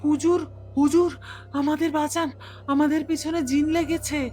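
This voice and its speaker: A woman voicing a sensible, devout young schoolboy in an animated horror story. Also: high voice, normal speed, faint music behind, natural voice. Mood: frightened. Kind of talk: animated horror cartoon acting.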